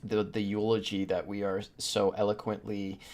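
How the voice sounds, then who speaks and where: A man's voice: fairly low pitch, completely flat delivery, moderate pace, a little mellow. A man hosting a podcast, chatting informally and giving emphatic opinions. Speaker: podcast host. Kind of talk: casual opinionated panel chat.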